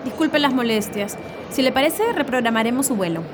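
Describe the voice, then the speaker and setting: A polite but unbending female airline agent acted by a woman speaks fast in a fairly high voice. Her courtesy is formal and scripted, with noise behind her. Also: expressive. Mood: polite, unyielding. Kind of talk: acted dialogue in a public-service spot.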